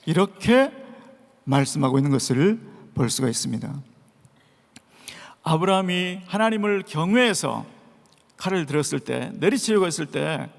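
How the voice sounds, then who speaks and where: A man preaching a Sunday sermon as pastor, posing rhetorical questions and acting out shouted calls. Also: fairly high pitch, vocal fry. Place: church sanctuary. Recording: long reverb of a large church hall.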